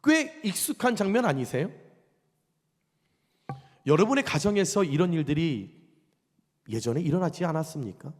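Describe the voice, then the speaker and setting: A man's voice: fairly high pitch, big pitch swings, moderate pace, pauses often, husky, in a large hall. A male senior pastor preaching a sermon in an emphatic, conversational way, using rhetorical questions. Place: church sanctuary.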